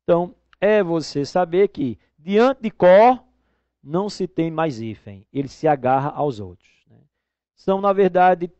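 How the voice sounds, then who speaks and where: A man's voice: a little high, dark tone, clear, resonant tone, no echo, dull audio. Didactic Brazilian-Portuguese-teaching man, dry sound. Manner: didactic, checks in with tag questions like "né?" and "correto?"; spells out word parts slowly for emphasis. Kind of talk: exam-prep video lesson.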